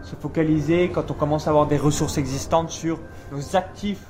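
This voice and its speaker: A man hosting a casual business interview at a seminar, explaining and coaching listeners in a brisk way. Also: a little high, fairly even intonation, darkish tone, a little hiss or hum. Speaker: YouTube interviewer and host. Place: seminar venue.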